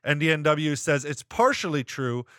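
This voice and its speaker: A man's voice: fairly high pitch, animated, moderate pace, fairly bright tone, smooth, dry recording, clean studio sound. A man co-hosting a live-streamed talk show, rambling and hedging with lots of restarts as he reads chat and gives his view. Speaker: podcast co-host.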